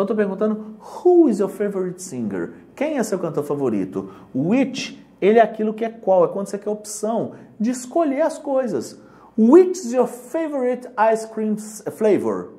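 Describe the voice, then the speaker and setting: A man with a Brazilian Portuguese accent teaching English for an exam in a casual, joking way. He reads English examples slowly and translates them. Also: high-pitched, mellow. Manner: casual, joking, keeps checking "entendeu?". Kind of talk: online lesson.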